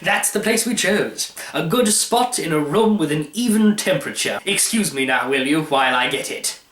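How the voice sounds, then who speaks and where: A man's voice: on the high side, expressive, moderate pace, fairly bright tone, roomy sound. A man voicing a cheerful, boastful newly rich dinner host in a storybook reading, eager and showy as he goads a guest. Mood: brisk, pleased.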